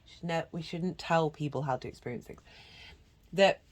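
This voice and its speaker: A woman's voice: low voice, normal speed. A woman giving a channelled tarot reading, congested from a cold. She talks in an earnest, meandering way with many restarts and breaks into chanted syllables. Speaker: tarot reader.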